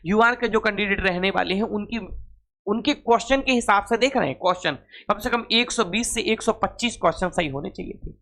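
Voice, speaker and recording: A man's voice: sits high, a little fast, creaky, bright, forceful tone. A man teaching an informal exam-prep class, repeating phrases and asking questions that he then answers himself.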